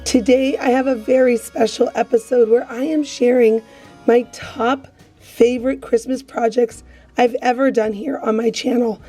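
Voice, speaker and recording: A woman's voice: a little high, fairly even intonation, moderate pace, dark tone, husky, faint music behind. A woman who has lost her voice, hosting a do-it-yourself craft channel and talking viewers through each step in a friendly way. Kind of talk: DIY craft tutorial voice-over.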